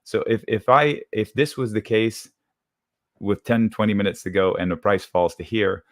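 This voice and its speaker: Sounding a bit sick, a man whose cold has made his voice deeper briskly explains his options trades one step at a time. He speaks as a guest on a live market show via video call. The low-pitched audio is studio quality with no room sound.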